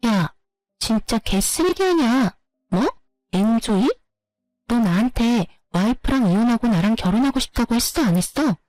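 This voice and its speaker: A woman voicing a sharp-tongued young mistress who mocks with scorn. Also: fairly high pitch, expressive, moderate pace, dry recording, close to an everyday voice. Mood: scornful. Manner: scornful, mocking.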